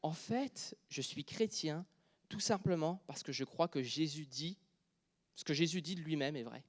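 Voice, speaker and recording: A man with a Quebec French accent preaching a sermon, dropping to a near whisper and then joking loudly with the congregation. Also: a little high, lively intonation, moderate pace. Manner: shifts from quiet intimate speech to loud joking with the congregation.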